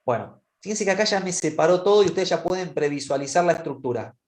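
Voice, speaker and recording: A man's voice: a little high, expressive, quick pace, a little mellow. A male teacher walking students through a spreadsheet exercise in an online class, patiently checking in with them as he goes. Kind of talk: online class screen-share demonstration. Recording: roomy echo.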